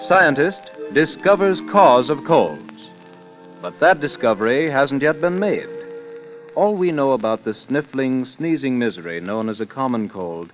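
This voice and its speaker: Male announcer, lively persuasive read, vintage lo-fi radio with soft music. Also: medium pitch. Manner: smooth, persuasive announcer delivery. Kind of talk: scripted commercial announcement. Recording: dull lo-fi old radio transcription with soft music.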